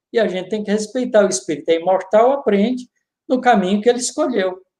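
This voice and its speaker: A man speaks with high pitch and ordinary pitch variation. His tone is dark and mellow. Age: 70s. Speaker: spiritist lecturer. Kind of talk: lecture Q&A answer. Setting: spiritist centre with audience.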